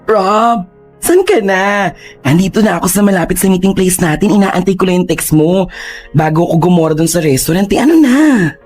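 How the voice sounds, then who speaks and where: A man's voice: high-pitched, normal speed, darkish tone, faint music behind, lightly acted. A man voicing a flamboyant, dramatic young gay man who talks in campy slang. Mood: impatient. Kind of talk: radio drama acting.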